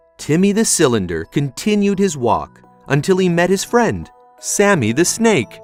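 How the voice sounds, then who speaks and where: Over music in the background, a man speaks at a high pitch and a moderate pace, with lively intonation and very even loudness. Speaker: voice over artist. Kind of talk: children's educational story narration.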